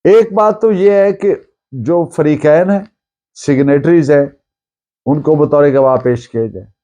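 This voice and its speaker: A man with a Pakistani accent lecturing as a law teacher, explaining deliberately and often rephrasing his points. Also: a little high, warm tone, highs cut off. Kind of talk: lecture mixing Urdu with English legal terms.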